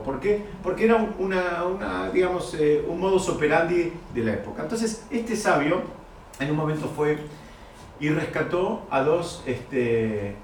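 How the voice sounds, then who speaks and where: Man, Talmud teacher, animated storyteller, echoey hall, faint background noise. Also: a little high. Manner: animated storytelling, repeats key phrases. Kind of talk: lecture to students. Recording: echoey room, mic far off.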